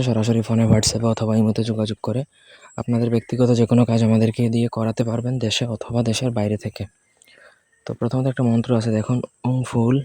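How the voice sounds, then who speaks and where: A man hosting his own channel, explaining a ritual step by step in a brisk, matter-of-fact way, now and then correcting himself mid-sentence. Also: lowish voice, dark tone. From Bengal. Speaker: channel host teaching spells. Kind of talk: instructional talk to camera.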